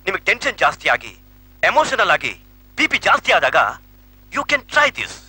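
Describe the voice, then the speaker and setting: An actor playing a TV self-help presenter guiding viewers to relax. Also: male voice, high-pitched, huge pitch swings, moderate pace, pushed and bright, husky, dry recording, exaggerated voice, rough recording. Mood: coaching.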